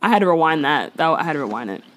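A woman's voice: sits low, big pitch swings, rapid-fire, slight background noise. Chatty laughing woman podcast host. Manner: laughing, chatty, loose slang. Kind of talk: casual chat.

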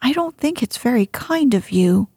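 A woman doing a gruff, sulky young miner boy. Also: on the high side, animated, normal speed, warm tone, no room sound, studio quality. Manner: gruff, clipped replies.

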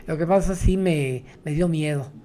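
High-voiced man spinning a tale. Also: normal speed, mellow. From Mexico. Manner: rambling, tags sentences with "¿no?". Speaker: taxi driver guest. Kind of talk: storytelling interview.

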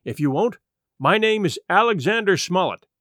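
Defiant, honourable naval captain, male reader acting, emphatic commands, swooping pitch, close dry storybook sound. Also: animated, normal speed, pushed and bright, no echo. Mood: stern defiance. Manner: commanding, emphatic, clipped declarations. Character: stern, defiant, honourable English sea captain.

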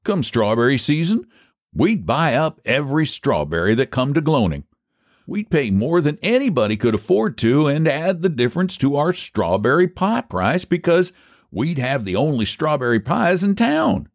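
Storybook role: male reader as a scheming country American pie baker, emphatic and persuasive, raised pitch, very animated, dry sound. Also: moderate pace, no echo. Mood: triumphant. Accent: rural American. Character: scheming, triumphant rural American pie baker, homespun man.

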